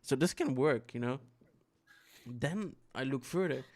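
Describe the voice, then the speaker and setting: A man's voice: medium pitch, unhurried, darkish tone. A young man from the Netherlands, co-hosting a casual chat, rambling and swearing with many restarts. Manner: rambling, profane, restarts a lot. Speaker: podcast co-host.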